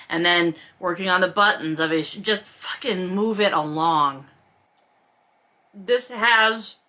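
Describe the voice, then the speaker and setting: Woman, bright forceful voice, book read-along host, sarcastic commentary, blunt, sweary, exasperated. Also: lowish voice. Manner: sarcastic, emphatic. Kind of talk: reading aloud with sarcastic casual commentary.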